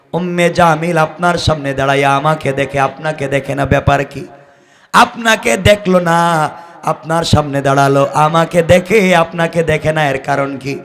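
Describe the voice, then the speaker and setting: Male Islamic preacher, high bright voice, exclamatory and dramatic storytelling delivery. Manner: exclamatory, calls on listeners to respond and pay attention. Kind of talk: impassioned sermon with dramatic storytelling and melodic scripture recitation.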